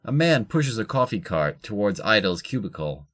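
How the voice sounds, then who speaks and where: A man's voice: on the low side, sing-song, moderate pace, fairly bright tone. A man reading scripted narration for an audio drama.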